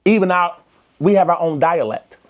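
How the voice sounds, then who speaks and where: A man's voice: high voice, normal speed. A man from the United States with an African American Vernacular accent, giving emphatic, preachy commentary to the camera with lots of slang. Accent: African American Vernacular English. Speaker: vlogger.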